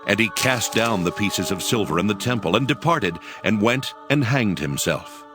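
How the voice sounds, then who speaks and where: Lowish, expressive male scripture narrator. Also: normal speed, music in the background.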